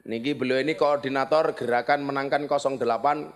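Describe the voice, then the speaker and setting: A middle-aged man with a Javanese accent, preaching in a lively, joking village sermon style. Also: medium pitch, a little fast. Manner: joking, mixes in Javanese phrases.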